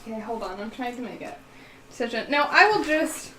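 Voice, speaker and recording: A woman with a put-on Southern US drawl and a slightly high voice, joking and cursing as she plays her turn in a tabletop game. She sounds blunt and playful. The room is echoey, with a little background hiss. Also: expressive, brisk, pushed and bright. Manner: playful, blunt, swears and jokes. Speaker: player. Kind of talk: casual tabletop play. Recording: echoey room with faint noise.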